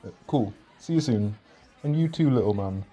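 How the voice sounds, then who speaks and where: A man's voice: on the low side, expressive, moderate pace, mellow, dull audio, close to an everyday voice. A man playing an easygoing, friendly mate at a party, talking casually and amiably in a roleplay audio. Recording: party music behind.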